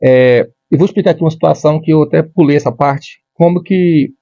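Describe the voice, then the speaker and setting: Here a retired Brazilian military police major in his fifties, his voice a little high and mellow, is interviewed conversationally. He's measured and formal but keeps restarting his sentences. The recording has no room sound and the highs are cut off.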